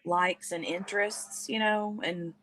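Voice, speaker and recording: A woman's voice: mid-range voice, fairly even intonation, unhurried, a bit bright. Laid-back woman in her forties. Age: 40s. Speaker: guest. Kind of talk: casual live chat.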